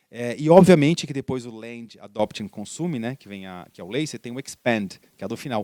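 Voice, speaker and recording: A man's medium-pitched voice at a very fast pace with lively intonation, in a very clean recording with a silent background and a dry, close sound with no echo. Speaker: technology company partner leader. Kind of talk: podcast conversation.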